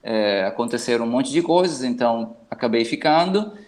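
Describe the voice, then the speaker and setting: A man's voice: medium pitch, lively intonation, normal speed, darkish tone. A man from Italy, a musician and professor, speaking reflectively on a live call. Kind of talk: casual interview talk.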